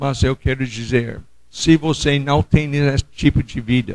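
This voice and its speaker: The delivery is very slow, with a dry, close sound and no echo. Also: man. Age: 70s. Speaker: pastor. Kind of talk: sermon.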